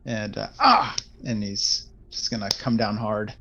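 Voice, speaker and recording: A man's voice: lowish voice, animated, a little slow, gravelly, pushed and bright. A man playing a tabletop role-playing game, talking casually with somewhat formal, stilted phrasing. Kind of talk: casual role-play talk. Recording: dull lo-fi sound, music behind.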